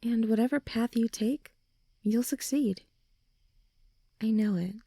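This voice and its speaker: Girl acting as your young supportive best friend, asmr comfort roleplay, soft n slow, dry close sound. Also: on the high side, no room sound, full character voice. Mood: gently reassuring. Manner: soft, soothing, encouraging, breathy sighs and chuckles. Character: supportive young female friend, gently reassuring a worried graduate.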